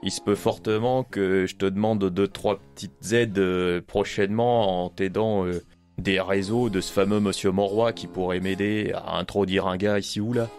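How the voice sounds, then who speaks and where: A man playing a shrewd, familiar underworld patron who bargains in slang, haltingly, in an improvised role-playing game. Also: sits low, fairly even intonation, a little mellow, faint music behind. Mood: shrewd bargaining.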